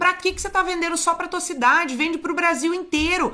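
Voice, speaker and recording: With an animated tone, a woman talks in a raised, projected voice. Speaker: podcast co-host, voice-over course owner. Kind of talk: casual chat.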